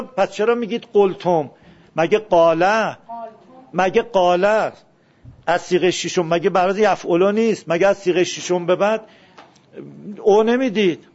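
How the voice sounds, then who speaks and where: A man's voice: high-pitched, darkish tone. A man teaching a classroom lesson, questioning his students and drilling word forms aloud. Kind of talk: classroom lesson on Arabic grammar. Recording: dull lo-fi classroom recording.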